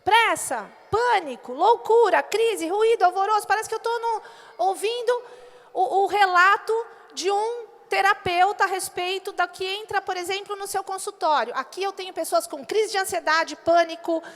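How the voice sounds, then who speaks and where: A woman pastor preaching a sermon and acting out little quoted dialogues in an animated way. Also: very high-pitched. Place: church hall. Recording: long hall reverb.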